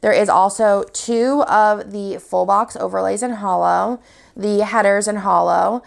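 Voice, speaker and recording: Upbeat young woman, sniffly cold, gravelly fry, medium pitch, casual shop-owner vlog. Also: steady tone, a little slow. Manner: chatty, upbeat, walks through items one by one. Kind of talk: casual product showcase.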